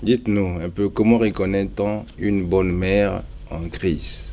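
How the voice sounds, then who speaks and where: A male church host speaks in a lowish voice and stumbles through frequent fillers as he leads the interview. A faint hiss of noise lies under his words. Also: steady tone, a little slow, mellow. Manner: hesitant, many fillers.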